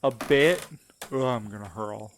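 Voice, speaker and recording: A wary male courier acted by a man in an audio drama, speaking in a middle-pitched, wry and informal voice. He is sarcastic and naturalistic, with clear night-time insect noise behind him. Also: a little slow, lightly acted.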